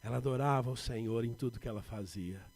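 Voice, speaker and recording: A man with a São Paulo Brazilian accent preaching a sermon as pastor, building to emphatic points and dropping to quiet asides. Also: medium pitch, fast. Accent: Brazilian Portuguese, São Paulo. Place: church sanctuary. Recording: reverberant church hall.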